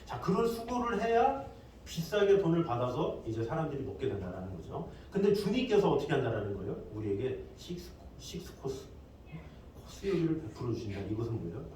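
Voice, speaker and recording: A middle-aged man preaching a sermon as pastor in a conversational way, with lively asides to the congregation. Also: medium pitch, fairly quick. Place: church sanctuary. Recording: echoey hall, distant mic, faint noise.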